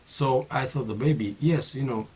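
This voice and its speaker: A middle-aged Japanese man speaking English as a second language in a casual monologue. His speech is halting, full of fillers and restarts. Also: mid-range voice, darkish tone, a little hiss or hum, rough recording. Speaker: vlogger practicing English.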